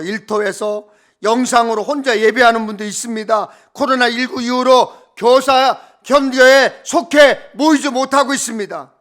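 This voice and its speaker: High, bright-voiced man preaching a sermon. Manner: rhetorical questions and repeated parallel phrases. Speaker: pastor preaching. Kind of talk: sermon, alternating emphatic declaiming and conversational asides.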